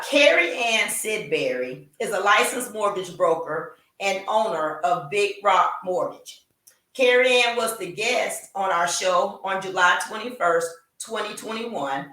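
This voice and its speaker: A woman's voice: fairly low pitch, sharp tone. A middle-aged woman hosting a talk show, chatting casually with frequent fillers and restarts. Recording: roomy echo, distant from mic.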